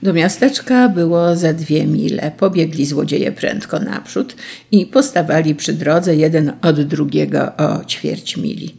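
A storyteller narrating a folk tale in a steady, measured way. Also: mid-range voice, gravelly, slightly rough.

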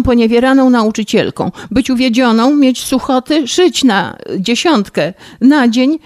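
A woman voicing a pampered, distraught young woman who pleads in a high, tearful voice in an audiobook reading. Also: a little mellow.

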